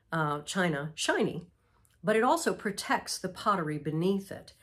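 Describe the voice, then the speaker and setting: A middle-aged woman hosting a vlog, explaining in a gentle, measured way, sounding nasal from a cold. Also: fairly low pitch, husky. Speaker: vlog host. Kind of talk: casual instructional vlog. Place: antique mall, indoors.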